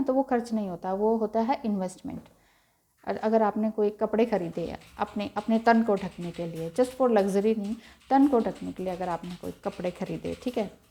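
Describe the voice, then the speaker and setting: A woman giving a gentle, reassuring tarot reading and mixing in English phrases. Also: a little high. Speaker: tarot reader.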